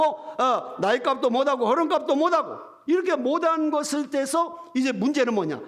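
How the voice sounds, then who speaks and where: An older man, a retired pastor, preaching a revival sermon in a church and telling humorous stories straight to the congregation. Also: sits high. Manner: humorous storytelling, addresses the congregation directly. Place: church sanctuary.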